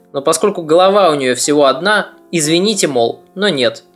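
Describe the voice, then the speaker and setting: Man narrating history over soft music. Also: sits high. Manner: measured, ironic storytelling. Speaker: podcast narrator.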